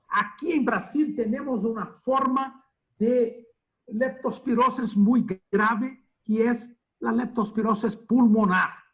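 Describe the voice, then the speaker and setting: An extremely high-pitched man with a Brazilian accent, speaking at a very slow pace with fairly even intonation. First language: Portuguese (speaking Spanish). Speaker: physician, infectious disease lecturer. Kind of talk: Q&A after lecture.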